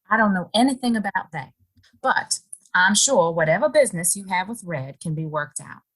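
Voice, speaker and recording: Woman as husky, quietly defiant saloon keeper. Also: medium pitch, lively intonation, low-quality recording. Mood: guarded, defensive. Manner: measured, guarded, sighing. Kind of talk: Western audio play acting.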